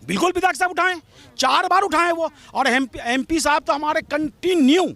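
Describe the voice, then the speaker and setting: A man's voice: very high-pitched, animated, normal speed, vocal fry, pushed and bright. A man giving an impassioned, argumentative street interview, pressing his demands and repeatedly calling the interviewer madam. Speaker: local political supporter interviewed.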